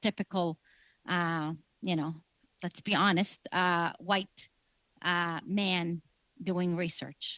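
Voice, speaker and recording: In a very clean recording with a silent background and a dry, close sound with no echo, a woman with a non-native accent and fairly low pitch speaks very slowly in a monotone, flat way, leaving long, frequent pauses. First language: not English. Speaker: member of parliament on committee. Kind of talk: committee hearing questioning.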